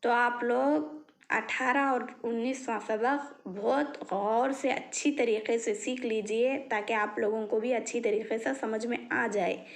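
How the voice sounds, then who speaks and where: A woman teacher with an Urdu-speaking South Asian accent, spelling out Arabic syllables slowly and drawing out each sound, then explaining rules quickly. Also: fairly high pitch, steady tone, gravelly. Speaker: Quran reading teacher.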